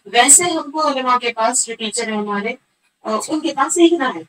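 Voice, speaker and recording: A woman teaching religion in a voice altered to mask her, pitched a little high with a bright, sharp edge. She speaks earnestly in simple plain words and often repeats a phrase for emphasis. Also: lively intonation, moderate pace, slight background noise, rough recording. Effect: voice altered to hide identity. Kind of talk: religious talk and appeal.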